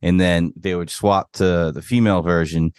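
A laid-back young man on a podcast, explaining his thoughts in an easy, swear-sprinkled way. His voice is very low, captured dry and close. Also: fairly even intonation, moderate pace, a little mellow, no room sound. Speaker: podcast co-host. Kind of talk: casual chat reviewing a TV show.

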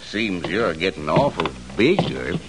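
A man's voice: deep voice, big pitch swings, a little slow, noisy background. An actor in a 1940s radio drama playing a drunk, belligerent gunman who sneers and threatens. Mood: sneering.

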